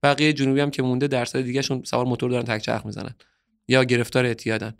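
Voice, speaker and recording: A man from Bushehr in southern Iran talks as a podcast guest in a loose, conversational way. He is earnest and opinionated, and his delivery gets heated at times. His voice sits at a middle pitch. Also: little pitch movement, creaky.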